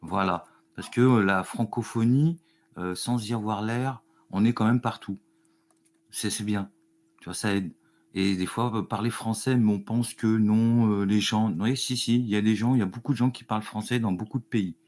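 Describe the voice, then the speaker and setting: A man with a fairly low voice speaks emphatically in a group discussion. He rambles through his example to make his point. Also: steady tone, moderate pace, darkish tone. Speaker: discussion panelist.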